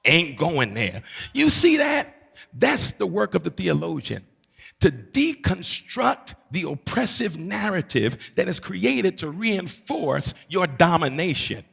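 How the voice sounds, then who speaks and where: A pastor's gravelly, husky voice rises and falls with lively pitch as he teaches. He repeats key phrases for emphasis and checks in with the congregation. The sound carries the long reverb of a large hall. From Barbados. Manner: preacherly, call-and-response asides, emphatic repetition. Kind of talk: teaching sermon.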